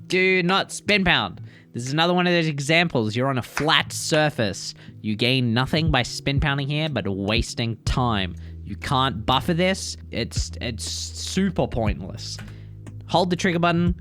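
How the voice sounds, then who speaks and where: A man who speedruns and streams gives casual, blunt commentary on gameplay, teasing and exasperated, with gamer slang and swearing. His voice is mid-range and a bit bright.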